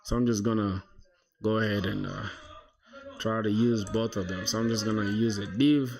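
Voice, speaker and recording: A man's voice: lowish voice, moderate pace, gravelly, a crowd in the background. A young man from South Sudan whose first language is Shilluk, casually thinking aloud and chatting with viewers while he codes, calling them "bro" often. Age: young adult. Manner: relaxed, thinks aloud, says "bro" a lot. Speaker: livestreaming programmer. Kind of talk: casual coding livestream chat.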